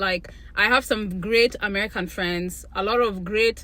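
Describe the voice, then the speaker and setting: With an African accent, a woman speaks at a fairly slow pace with fairly even intonation amid noticeable background noise. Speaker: YouTuber. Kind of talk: casual talk to camera.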